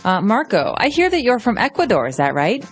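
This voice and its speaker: A woman's voice: medium pitch, wildly swooping pitch, fairly quick, breathy edge, soft background music. A woman co-hosting an English lesson podcast, explaining phrases with examples. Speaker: co-host, English teacher. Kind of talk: language lesson podcast chat.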